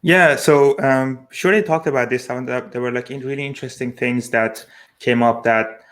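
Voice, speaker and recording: A man, a Persian speaker, talks as a panelist in a medium-pitched voice. He explains things informally, peppering his sentences with filler words. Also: fairly even intonation, moderate pace, a bit bright. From Iran. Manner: informal, frequent "like" while explaining. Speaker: panelist, blockchain security engineer. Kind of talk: casual explanatory panel talk.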